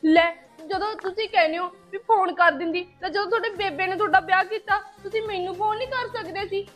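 A woman plays a returning first wife in a Punjabi village drama, speaking in a very high voice. She keeps coming back with reproachful, coaxing questions. Soft music plays faintly underneath. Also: brisk.

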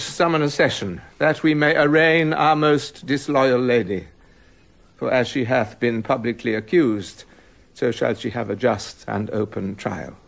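A man's voice: medium pitch, gravelly. An older actor playing a jealous, tyrannical king in a radio drama, commanding and stern. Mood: resolute. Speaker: King Leontes.

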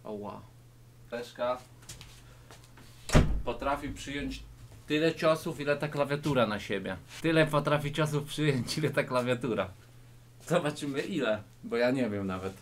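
Speaking straight to the viewer, this YouTuber delivers a tongue-in-cheek martial-arts lesson with mock gravity, his volume rising and falling. His pace is moderate with frequent pauses, and background noise fills the low-ceilinged room he's in.

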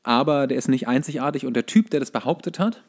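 A man's voice: mid-range voice, animated, quick pace. A man co-hosting a casual podcast, bantering and ranting in a sarcastic, sweary way. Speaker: podcast co-host.

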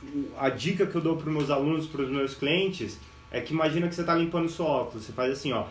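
Upbeat Brazilian male English teacher on a live stream, slightly high voice, slow exaggerated drills, echoey room. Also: slight background noise. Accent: Brazilian Portuguese. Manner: energetic, mixes English and Portuguese, greets viewers; drills words slowly, exaggerates sounds. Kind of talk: live-streamed pronunciation lesson.

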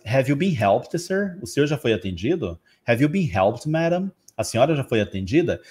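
A man from Brazil gives an online English lesson with a slightly husky voice. He explains patiently and says each practice phrase slowly, more than once, so students can repeat it. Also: mid-range voice, a little mellow. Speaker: English teacher.

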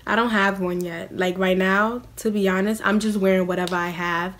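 Fielding viewer questions to camera, a young US vlogger speaks at normal speed in a steady, somewhat bright medium-pitched voice. She's in a small room and comes across blunt and casual, heavy on slang and peppering her speech with "like."

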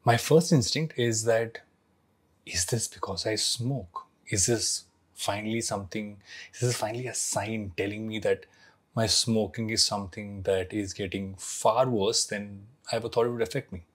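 Man, forties, low-pitched, slightly husky throat, reflective, emphatic storytelling. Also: fairly even intonation, moderate pace. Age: 40s. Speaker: founder sharing life lessons. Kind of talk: personal story talk to camera.

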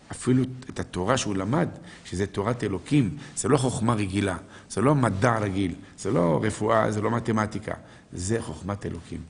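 A man's voice: fairly low pitch, vocal fry, slight background noise. A man, a rabbi, giving a live sermon, posing rhetorical questions to his listeners and answering them, quoting verses and sages.

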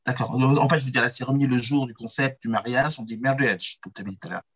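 A man's voice: medium pitch, steady tone, quick pace, a bit bright, husky, muffled recording. A man reciting English vocabulary in an online class, hesitant and careful, heard over call audio. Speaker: student.

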